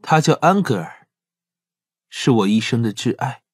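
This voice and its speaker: An actor playing a bitter, lovelorn man in an audio drama, confessing haltingly and emotionally. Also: medium pitch, expressive, husky, dry recording, studio quality. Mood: sorrowful.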